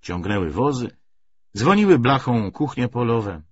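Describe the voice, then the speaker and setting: A man narrating a literary audiobook in an expressive, scripted reading style. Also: mid-range voice, measured pace, muffled recording, a little hiss or hum.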